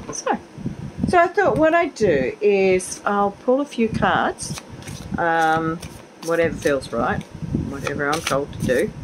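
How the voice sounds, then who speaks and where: A woman speaks at a fairly slow pace with long, frequent pauses. Noticeable background noise sits behind her. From Australia. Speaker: tarot reader. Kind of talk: casual monologue with card reading. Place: home room. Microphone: phone near.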